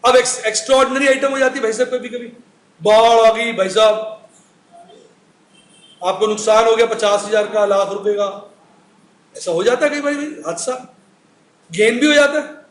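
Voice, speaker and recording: High-voiced male teacher in an echoey room. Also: fairly even intonation, moderate pace, long pauses. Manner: chatty, asks the class questions and answers them himself. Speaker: accounts teacher. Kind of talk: recorded classroom lecture. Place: classroom. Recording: echoey room with faint noise.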